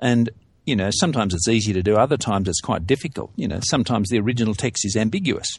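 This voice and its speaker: With an Australian accent, a man talks very fast at medium pitch, somewhat breathy. His intonation is lively, over a quiet background. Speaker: academic on Islam. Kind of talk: interview. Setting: video call. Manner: hesitant, repeats words.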